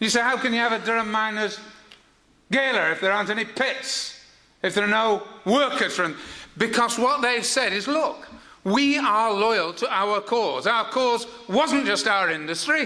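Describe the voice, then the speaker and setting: A man with a Yorkshire accent uses an extremely high, raised, projected voice with ordinary pitch variation and very even loudness. He keeps a moderate pace with long, frequent pauses, and room echo is audible. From Yorkshire, northern England. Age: old. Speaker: retired trade union leader. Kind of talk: after-dinner speech. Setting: dinner event with audience.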